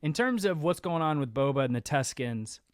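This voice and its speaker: A man's voice: a little high, lively intonation, normal speed, no echo, studio quality. A man hosting a podcast, talking casually and earnestly in informal, rambling explanations. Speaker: podcast host.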